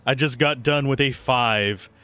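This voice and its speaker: A young man commenting casually on a game he is streaming, chatty and jokey, with a slightly raspy voice. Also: mid-range voice, moderate pace, pushed and bright. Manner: chatty, jokey, reacts aloud.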